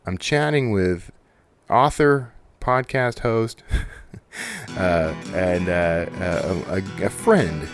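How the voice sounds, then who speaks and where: A man's voice: low voice, extremely slow, over music. A man hosting a podcast, talking in a casual, conversational monologue that wanders into asides. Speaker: podcast host; author.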